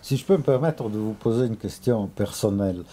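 Male interviewer; low, very dark, husky voice; courteous, formal manner. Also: a little fast. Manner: polite, formal questioning. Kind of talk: conversational interview. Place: book-lined office, indoors.

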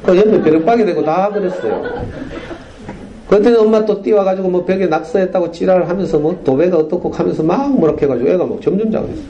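경상도 억양의 중년 남성이 학교 강당에서 학부모들에게 청중에게 질문을 던지며 생생하게 이야기를 풀어내는 강연을 합니다. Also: male voice, sits high, fast talker, lo-fi sound, a little hiss or hum. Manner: animated storytelling, rhetorical questions to the audience. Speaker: parenting lecturer. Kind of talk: lively lecture to parents. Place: school lecture hall.

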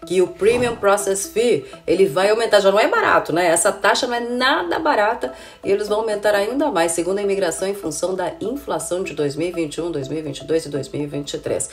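A woman in her thirties with a hoarse, cold-roughened voice, talking casually to camera as a channel host and explaining things in a chatty way to her viewers. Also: medium pitch, fast, hardly any pauses, faint music behind. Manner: chatty, addresses viewers as "gente", frequent "né?" and "viu?". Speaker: immigration consultant and channel host. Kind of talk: casual informative vlog to camera. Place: indoor room with window blinds. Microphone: camera at close range.

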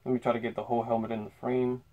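A man's voice: mid-range voice, flat delivery, very fast, phone-quality sound. A man giving a casual product review while wearing a closed helmet, speaking in a plain, easygoing way with some fillers. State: talking through a closed helmet.

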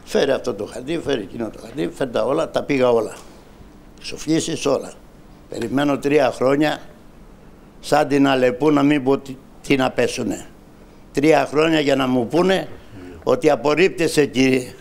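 A man's voice: mid-range voice, gravelly. A man in his sixties from Greece, an audience member telling his grievance in an impassioned, aggrieved way and speaking directly to the host and a minister. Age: 60s. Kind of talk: impassioned personal account on a talk show.

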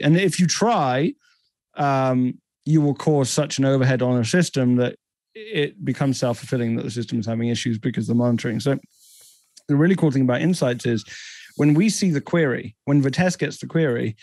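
A man's voice: medium pitch, brisk, darkish tone, no echo. A man in his thirties with a British accent, a guest explaining technology fluently in a podcast interview over a headset from a home office. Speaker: guest, tech company CEO.

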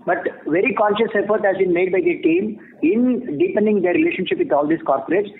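Indian man, senior banking type, measured earnings-call answers, high register, thin telephone sound. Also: very animated. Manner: measured, formal, explanatory. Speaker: bank executive answering analysts. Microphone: phone conference call. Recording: tinny phone line with clear noise.

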